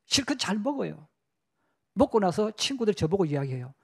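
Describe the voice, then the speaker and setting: A man's voice: sits high, very animated, fairly quick, vocal fry, breathy edge. A middle-aged man from South Korea, a pastor giving a sermon in a church, telling stories with acted-out quotes and chatty asides. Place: church sanctuary.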